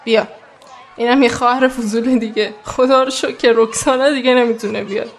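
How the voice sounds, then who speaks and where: A woman's voice: a little high, fairly even intonation, slight background noise, close to an everyday voice. An actress playing a joking young woman who is upset, in a radio drama. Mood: teasing. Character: Samaneh, young woman, joking, upset over family ruin.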